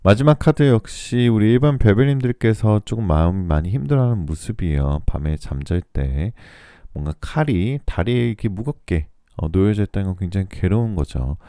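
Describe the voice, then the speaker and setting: A man reading tarot for listeners in a soothing, polite, measured radio-like style, his voice still recovering from a throat cold. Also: on the low side, animated, warm tone, clear, resonant tone, no echo, clean studio sound. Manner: soothing, polite, measured delivery meant to lull listeners to sleep. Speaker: tarot reader and channel host.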